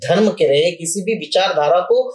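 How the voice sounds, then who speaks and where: An interviewer with a mid-pitched voice who sets up questions in measured, formal phrasing. The delivery stays steady and composed.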